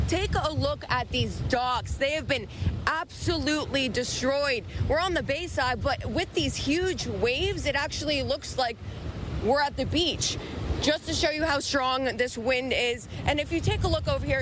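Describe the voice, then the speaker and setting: A woman field reporter giving a live storm report outdoors, raising her voice to be heard over the wind. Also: high voice. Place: outdoors on a windy bayside shore.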